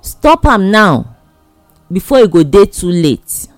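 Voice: medium pitch, big pitch swings, slow, no echo, faint music behind. A speaker with a Nigerian accent giving admonishing advice in Nigerian Pidgin, in an emphatic, repetitive, exhorting way.

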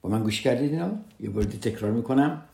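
Guy hosting a radio advice show, earnest, keeps talking right to the listener, mid pitch, echoey room. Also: creaky, dark tone. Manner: earnest, addresses listeners directly and repeats key points. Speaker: radio host giving relationship advice. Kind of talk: casual advice talk on a podcast.

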